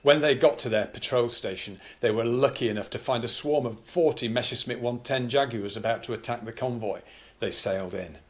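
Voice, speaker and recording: A man's voice: medium pitch, brisk. A man presenting, reading old news aloud and adding conversational, explanatory asides. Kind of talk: reading aloud with informal commentary.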